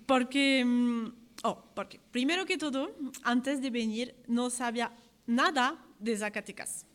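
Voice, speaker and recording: A woman from France, a native French speaker with a French accent, giving an informal, halting speech as an athlete at a press conference. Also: on the high side, a bit bright. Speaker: ultra-endurance athlete.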